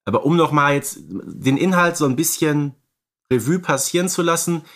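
A man's voice: a little high, expressive, moderate pace, a bit bright. A man co-hosting a podcast, casually analysing films and recapping their stories. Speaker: podcast co-host.

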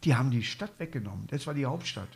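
A man's voice: medium pitch, lively intonation, quick pace, gravelly. A man hosting a live comedy podcast, rambling through anecdotes and chuckling often. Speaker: podcast host. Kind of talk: casual comedy chat.

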